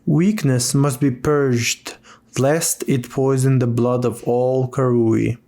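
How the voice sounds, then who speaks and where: An actor playing a stern tribal lorekeeper, grave and deliberate, narrating fantasy game lore. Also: male voice, mid-range voice, fairly even intonation, warm tone, slight background noise. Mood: stern, solemn. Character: stern, solemn tribal keeper of harsh lore.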